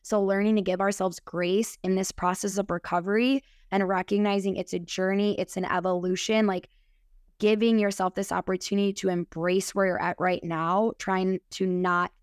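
Woman, thirty-two, Midwestern American accent, crisp resonant voice, dry recording, earnest, casual, peppered with "like". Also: medium pitch, little pitch movement, moderate pace, dry recording. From Minnesota, United States. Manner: earnest, filler-heavy with frequent "like". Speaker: podcast guest, sober group leader. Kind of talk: casual personal reflection in conversation.

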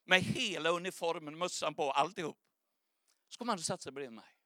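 High, bright-voiced male preacher. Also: dry recording, clean studio sound. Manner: emotional, earnest testimony. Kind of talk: sermon storytelling.

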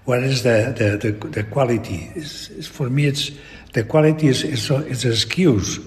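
A very old man with a Spanish accent, talking reflectively in an interview in halting, broken English with repeated words. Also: mid-range voice, a little mellow. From Spain. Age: elderly. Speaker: painter being interviewed. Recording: long echoing reverb in a hall.

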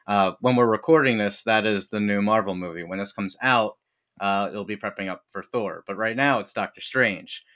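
A man's voice: on the low side, moderate pace, a bit bright. A man co-hosting a podcast, giving blunt opinions in casual conversation. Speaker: podcast co-host.

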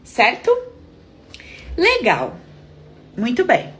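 A Brazilian woman therapist talking on a live stream. She answers viewers in a lively way, acts out little dialogues and asks frequent rhetorical questions. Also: fairly high pitch, extremely slow. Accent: Brazilian Portuguese.

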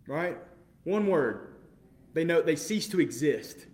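A man preaching a sermon with passion, moving between quiet, measured passages and loud, incredulous outbursts. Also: a little high, expressive. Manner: impassioned, swings from quiet to loud exclamation.

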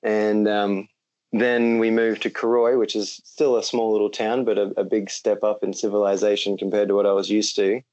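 A man's voice: fairly low pitch, normal speed, muffled recording. A young Australian man talking casually as a podcast guest, rambling with lots of ums and easy laughs. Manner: relaxed, rambling with many ums, laughs easily.

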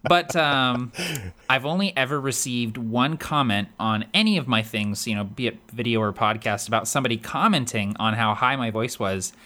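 Man, podcast co-host, high voice, bright tone, chatty, laughs often. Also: normal speed. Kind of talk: casual chat.

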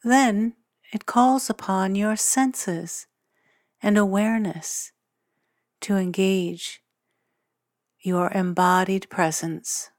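A woman leads a guided meditation at a very slow pace. Her delivery is gentle and measured, with long pauses between short phrases. Her mid-pitched voice is recorded close and dry, with no room sound. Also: steady tone, no room sound. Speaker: meditation guide and podcast host.

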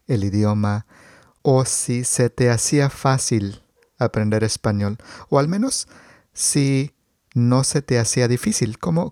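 A man hosting a conversational interview as a language teacher, encouraging and deliberate in his phrasing. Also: medium pitch, a little mellow, no echo, studio quality.

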